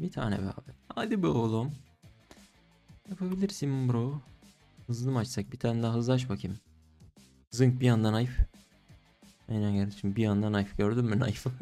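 Young male case-opening streamer, warm tone, slangy and excitable, soft music behind. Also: medium pitch. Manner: slangy, excitable, pleading and groaning at results. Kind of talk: casual gaming commentary.

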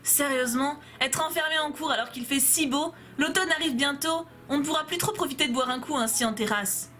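Soft background music sits under a young woman's high, sharp voice as she plays through a story game at a fairly quick pace. She voices every character herself and chats playfully with her viewers between scenes.

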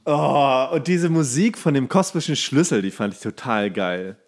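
A man's voice: medium pitch, expressive, normal speed. A man co-hosting a podcast, chatting casually in a colloquial, enthusiastic way. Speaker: podcast co-host. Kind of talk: casual chat about films and series.

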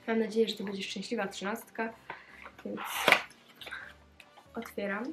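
A woman's voice: mid-range voice, flat delivery, a little slow, loud music behind the voice. A teenage girl chatting cheerfully as she unboxes gifts in a casual vlog, with many small hesitation sounds, recorded in her bedroom on a camera mic. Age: teens. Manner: chatty and cheerful, with frequent "e" fillers. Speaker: vlogger.

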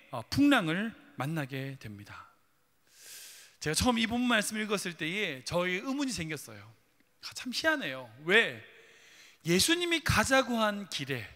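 A man's voice: sits high, sharp tone, big-room sound. A man preaching a sermon dramatically, full of rhetorical questions. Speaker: pastor. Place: church sanctuary.

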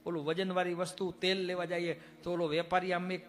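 High-voiced preacher. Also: male voice, little pitch movement, brisk. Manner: earnest, homely storytelling with village sayings. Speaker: temple head giving a satsang. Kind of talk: folk storytelling sermon.

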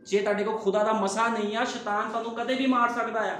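A man's voice: high voice, level tone, quick pace, fairly bright tone, a little hiss or hum. A pastor, a man, preaching a sermon full of rhetorical questions. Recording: very echoey room.

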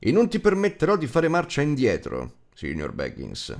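A man's voice: fairly high pitch, huge pitch swings, moderate pace, pitched above the performer's own voice. Guy doing an old wizard for an audiobook, stern n bossy, bit teasing, voice goes up and down loads. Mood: grave warning. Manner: emphatic, admonishing. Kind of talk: audiobook character acting.

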